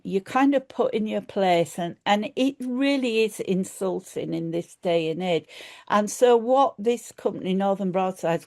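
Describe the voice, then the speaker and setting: A woman's voice: medium pitch, darkish tone. A middle-aged woman with a broad Yorkshire accent giving a lecture, chatty and loose, with frequent ums and restarts. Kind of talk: academic lecture.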